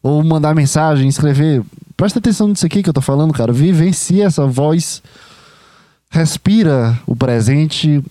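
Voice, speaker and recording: Young man, podcast host, excitable and loose-tongued, mellow dark tone, dry close sound. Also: on the high side, fairly quick, no echo. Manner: excitable, talks to the listener directly, swears casually. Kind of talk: rambling casual monologue.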